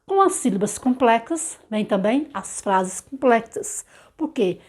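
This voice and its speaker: A middle-aged woman with a fairly high voice teaches parents how reading is learned. She poses questions and answers them herself. She stretches out syllables and example words slowly, one by one. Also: animated, a little mellow. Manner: explains with rhetorical questions and slow sounded-out syllables. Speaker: literacy teacher. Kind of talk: instructional talk to parents.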